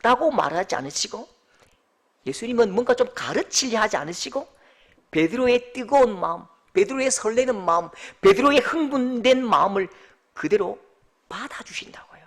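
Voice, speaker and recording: A male pastor preaching a sermon with animated storytelling, dropping to soft whispers for emphasis. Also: sits high, normal speed.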